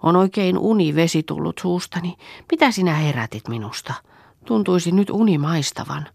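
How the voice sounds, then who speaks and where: A woman's voice: lowish voice, expressive, vocal fry, a little mellow, breathy edge, no echo, clean studio sound, voice pushed up, exaggerated voice. A woman voicing a drowsy young farm girl woken in the night, groggy and grumbling.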